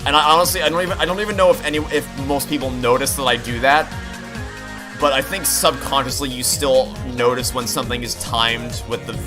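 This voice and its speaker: A man's voice: mid-range voice, brisk, over music. A man giving casual, rambling playthrough commentary as he chats to viewers, often repeating and restarting his phrases. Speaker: video game streamer and host. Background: video game song playing behind the voice.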